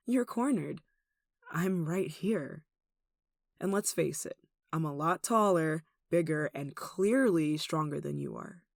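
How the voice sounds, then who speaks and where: Woman acting as a lovesick female captor, cooing, sweetly menacing, gravelly fry, close dry sound, intimate audio roleplay. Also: low voice, takes it slowly, no room sound, heavily acted. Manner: cooing, coaxing, with sighs and giggles.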